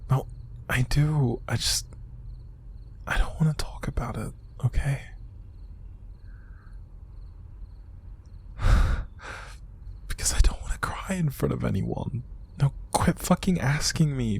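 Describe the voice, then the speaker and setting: A man acting an upset, exhausted young man in an intimate audio roleplay, speaking in a hushed, halting, breathy and gravelly voice. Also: medium pitch. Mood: tearful, defensive. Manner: halting, sighing, hushed, naturalistic delivery. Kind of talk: intimate audio roleplay monologue to an unseen listener.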